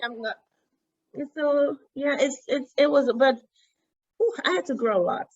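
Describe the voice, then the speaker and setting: A woman from Cameroon with a Cameroonian accent, her first language Yemba, telling her story as an interview guest in an animated way with frequent restarts. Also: high voice, a little slow. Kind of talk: interview conversation. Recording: dull lo-fi sound.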